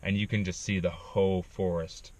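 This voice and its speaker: Low-voiced man telling a camping story. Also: normal speed. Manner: animated retelling with frequent ums. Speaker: backpacking vlogger. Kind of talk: casual storytelling.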